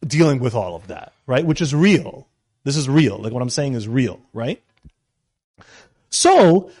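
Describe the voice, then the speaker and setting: A man's voice: on the high side, a little mellow, dry recording, clean studio sound. A man, a Christian counselor, giving an informal teaching talk to a live group, often restarting sentences and checking in with the room. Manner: halting, with many restarts and "right?" check-ins.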